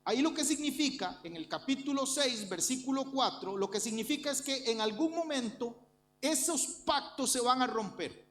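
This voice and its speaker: A Costa Rican pastor preaches a sermon and Bible study, speaking straight to his congregation and repeating phrases earnestly for emphasis. His very high voice is expressive and fairly bright, moving at a normal speed over slight background noise.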